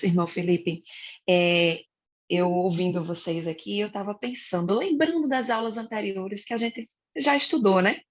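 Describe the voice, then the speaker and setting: A woman's voice: mid-range voice, lo-fi sound. A woman teacher on a Bible study podcast, speaking reflectively with hesitant fillers and a Brazilian Portuguese accent.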